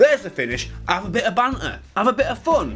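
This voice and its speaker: Music can be heard in the background. A man with a British accent speaks at a fairly quick pace. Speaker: gaming YouTuber and streamer. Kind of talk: live gameplay commentary.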